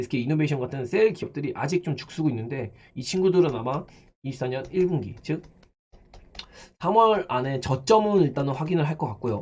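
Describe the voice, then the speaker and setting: Here a man talks at a fairly quick pace with lively intonation. His fairly high voice is somewhat breathy. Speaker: stock market youtuber. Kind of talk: market commentary video. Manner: fast.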